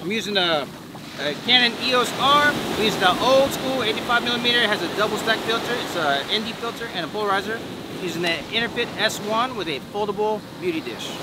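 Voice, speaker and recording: Loud background noise surrounds a man speaking at a fairly quick pace. His voice sounds dry with no echo, and his pitch varies in an ordinary way. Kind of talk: casual vlog chat. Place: beach.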